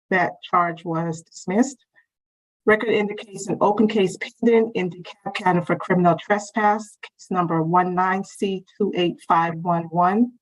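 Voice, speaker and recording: Low-voiced woman clerk reading records. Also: poor audio. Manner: measured, methodical reading of case numbers. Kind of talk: reading criminal history aloud.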